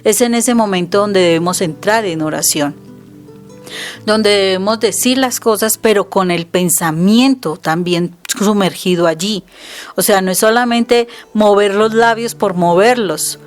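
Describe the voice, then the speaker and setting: A woman's voice: medium pitch, a little slow, soft background music. A middle-aged Colombian woman, a Catholic missionary co-hosting, who explains prayer in an earnest, emphatic way and quotes scripture aloud. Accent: Colombian Spanish. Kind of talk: conversational religious teaching.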